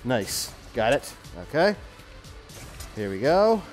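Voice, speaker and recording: A man's voice: medium pitch, big pitch swings, slow. A man giving casual, exclamatory commentary as he plays a video game, muttering short repeated phrases and mild, clean exclamations to himself. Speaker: gaming video host. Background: game music and sound effects.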